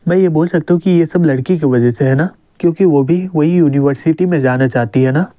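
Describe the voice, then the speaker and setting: A man voicing a shrewd, fatherly male police captain in a calm, reassuring way, in a manga recap. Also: a little high, fairly quick, no room sound, close to an everyday voice.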